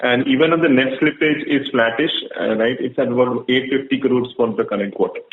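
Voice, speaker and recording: A mid-pitched male voice in an echoey room, carried over a phone-like line with faint noise. He is a bank executive reporting figures to analysts. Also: fairly quick. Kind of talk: reporting figures on an earnings call. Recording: echoey, noisy, phone-like conference room audio.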